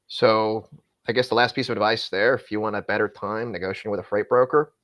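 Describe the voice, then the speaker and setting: A man's voice: lowish voice, steady tone, a little fast, a bit bright. Candid rambling former freight broker man. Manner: rambling, frequent self-restarts, candid. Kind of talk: casual conversational advice.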